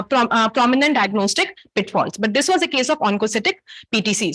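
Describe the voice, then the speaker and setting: A woman with a South Asian accent speaks in a high voice as she teaches. She lectures through cases in a didactic, academic way and turns to her listeners with questions. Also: a bit bright. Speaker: medical lecturer. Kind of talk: interactive academic case-based lecture.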